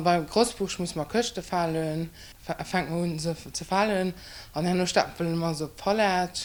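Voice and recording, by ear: The voice moves at a fairly slow pace. Its intonation is fairly even. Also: woman.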